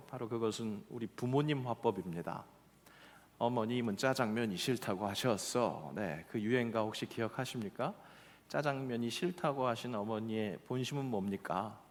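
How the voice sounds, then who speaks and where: Pastor preaching in a reverberant church. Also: male voice, medium pitch, moderate pace. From Seoul, South Korea. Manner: storytelling with acted quotes and folksy humor. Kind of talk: sermon. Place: church sanctuary. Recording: church hall with long reverb.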